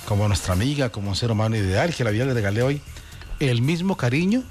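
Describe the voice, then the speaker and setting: Man, radio host, effusive and joking, mid pitch, music underneath. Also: expressive, quick pace. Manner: warm, effusive well-wishing, joking. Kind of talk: live radio chat.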